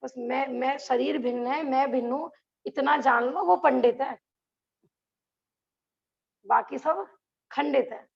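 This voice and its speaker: Slowly and with long pauses, a woman with a high, gravelly voice teaches a religious class in lecture form. Rhetorical questions to her listeners and laughter between points fill her talk, and the recording sounds dull and lo-fi.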